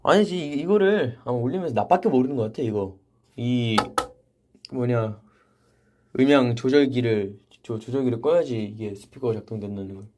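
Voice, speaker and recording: A young man hosting a casual livestream from a vocal practice room, reading viewer comments aloud and answering them in a relaxed, chatty way. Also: medium pitch, moderate pace. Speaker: idol livestream host.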